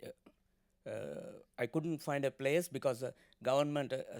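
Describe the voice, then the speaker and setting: Man from Sri Lanka, testimony on a panel, halting, smooth clear voice, dry sound. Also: medium pitch, no echo. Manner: halting, many "uh" fillers. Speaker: panelist, former journalist.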